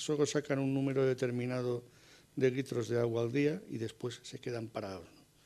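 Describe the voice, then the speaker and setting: In a Mallorcan accent, the speaker has a dark, mellow tone, ordinary pitch variation and a moderate pace against a quiet background. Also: man. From Mallorca, Spain. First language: Mallorcan Catalan (speaking Spanish). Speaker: writer and essayist. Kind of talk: public conversation.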